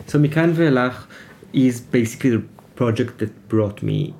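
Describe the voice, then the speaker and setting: A man whose first language is Hebrew, speaking as an interview guest in a thoughtful, halting way, often restarting his phrases. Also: mid-range voice, darkish tone, slight background noise. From Israel. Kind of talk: reflective conversational interview.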